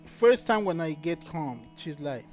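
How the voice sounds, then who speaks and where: A middle-aged man telling a story in casual chat, animated, laughing often, speaking English with broken grammar. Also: a little high, a little slow, faint music behind. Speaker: guest, host's father.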